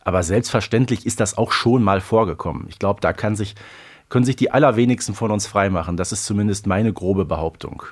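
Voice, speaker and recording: A man in his thirties co-hosting a podcast in casual chat, measured and wry. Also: on the low side. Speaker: podcast co-host.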